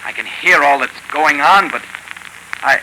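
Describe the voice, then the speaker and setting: A trance-like young lieutenant voiced by a man who stammers and stalls over every word. He talks very slowly, in a slightly raised voice. Clear hiss from an old 1930s radio recording sits under him. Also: a little high, lightly acted. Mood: dazed. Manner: halting, stammering, dazed. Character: dazed young male army lieutenant in a trance. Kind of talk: 1930s radio drama acting.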